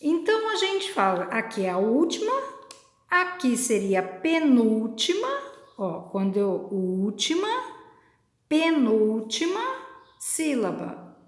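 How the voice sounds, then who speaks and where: A woman teacher from Brazil, slowly and patiently explaining a lesson to children step by step. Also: a little high, very animated, reverberant. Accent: Brazilian Portuguese.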